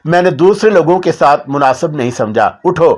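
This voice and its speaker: A man's voice: a little high, animated, normal speed. A man voicing an angry elderly head of the house, growling and scolding in a raised, harsh voice. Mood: furious. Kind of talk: audiobook character voice.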